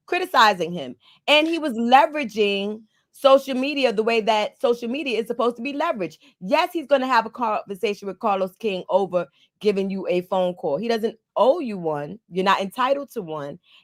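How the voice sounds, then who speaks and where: With a New York accent, a woman talks at a fairly quick pace in a fairly high pitch with very wide pitch swings, and the sound is dry and close with no echo. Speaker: caller. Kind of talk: call-in show talk.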